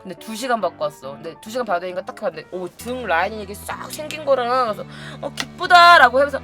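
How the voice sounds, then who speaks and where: A woman's voice: on the high side, animated, fast talker, sharp tone, faint music behind. A woman casually telling a funny story to her viewers, acting out other people's lines and laughing often. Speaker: YouTube storyteller.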